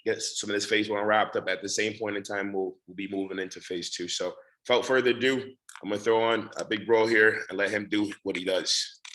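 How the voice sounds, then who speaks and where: A man's voice: fairly low pitch, a bit bright, roomy sound, low-quality recording. A man hosting a casual group call, upbeat and full of fillers, handing over to a guest. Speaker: call host.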